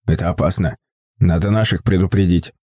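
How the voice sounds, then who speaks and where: A man plays a gruff old man who speaks in a rough, lowered, dark voice. He is blunt and suspicious of strangers. The sound is dry and close. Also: fairly even intonation, a little fast, no room sound. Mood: tense.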